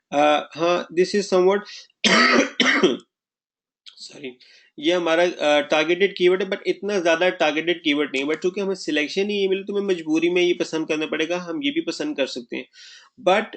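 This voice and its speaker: Male webinar instructor, raised pitch, conversational and interactive, drops English terms into lessons. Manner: interactive, asks the class questions often; mixes English terms into explanations. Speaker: online marketing instructor. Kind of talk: live webinar lecture.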